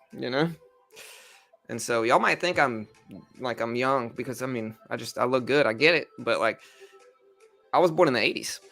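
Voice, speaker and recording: A man in his thirties hosts a casual livestream chatting about stocks, laid-back, rambling, and packed with slang. His mid-range voice is gravelly and bright, with a forceful tone.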